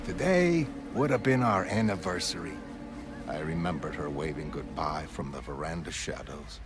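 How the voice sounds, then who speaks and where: A man playing a despairing shipwrecked sailor, narrating in a grim, slow, brooding way. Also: a bass voice, lively intonation. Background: music.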